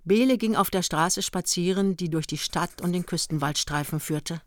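A woman narrating a literary radio play in a measured, matter-of-fact storytelling manner. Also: on the low side. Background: music.

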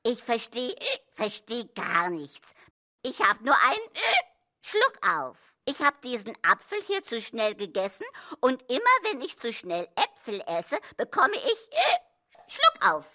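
A woman voicing a small, good-natured, bewildered mole puppet in a children's show, expressive and exclaiming. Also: on the high side, a little slow, exaggerated voice.

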